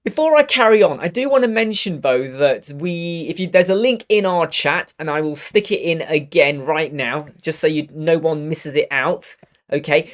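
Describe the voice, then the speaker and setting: A man in his thirties with a croaky voice from a cold, chatting upbeat through a live web design tutorial. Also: fairly high pitch, moderate pace. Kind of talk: casual live tutorial chat. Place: home studio room with purple lighting.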